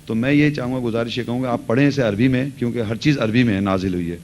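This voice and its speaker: A man's voice: medium pitch, darkish tone, a little hiss or hum. A man giving a religious lecture, earnestly explaining and mixing English words into his speech. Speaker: Quran lecturer.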